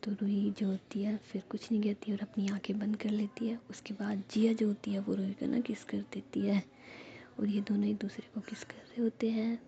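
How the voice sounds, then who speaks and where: A woman narrating a romantic story in a steady, casual whisper. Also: medium pitch, normal speed, gravelly, a little hiss or hum. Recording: dull lo-fi recording.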